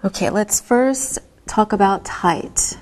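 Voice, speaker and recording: Woman English teacher, patient and deliberate, speaking at an extremely slow pace. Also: medium pitch, darkish tone, slight background noise. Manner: patient, deliberate, spells things out step by step. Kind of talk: slow, clearly enunciated classroom teaching.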